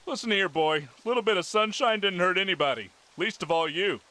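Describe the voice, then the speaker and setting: A man's voice: high-pitched, expressive, brisk, sharp tone, low-quality recording. A man playing a stern, preachy old-timer drill sergeant in a comedy cartoon, commanding and old-fashioned. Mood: scolding. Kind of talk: animated comedy military bark.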